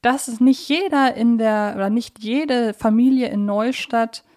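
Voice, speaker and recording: A woman's voice: on the high side, a little slow, a little mellow. Woman podcast host, explanatory and wordy. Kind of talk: casual analytical podcast conversation about a children's audio drama series.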